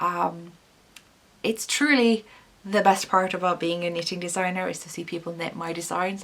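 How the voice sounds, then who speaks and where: A woman speaks at a moderate pace in a Norwegian accent. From Norway. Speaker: knitting podcaster and designer. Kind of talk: casual vlog talk. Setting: home. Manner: animated.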